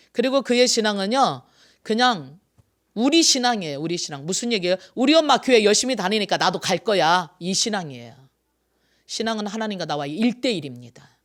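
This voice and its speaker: With a mid-range voice, this sixty-something pastor preaches on a Sunday and keeps questioning the congregation. Certain phrases return repeatedly, at first pushed out forcefully and then eased into quiet asides.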